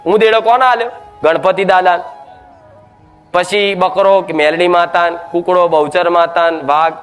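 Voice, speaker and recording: A man with a giving a village devotional sermon, scolding and asking rhetorical questions as his voice swings high and low. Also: steady tone, a little slow, fairly bright tone, clean tone. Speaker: devotional preacher speaking as the goddess.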